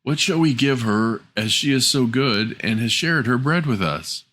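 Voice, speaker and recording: A man's voice: mid-range voice, expressive, measured pace, a bit bright, voice pushed up. A man voicing little male dwarves in a fairy tale, direct and plain-spoken. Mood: kindly.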